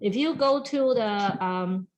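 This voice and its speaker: A woman's voice: mid-range voice, slow pace. A middle-aged woman from Taiwan with a Taiwanese accent, giving a chatty, emphatic cooking demonstration at a farm workshop. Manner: lively, chatty, emphatic, talks straight to the audience with frequent "okay?". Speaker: extension educator.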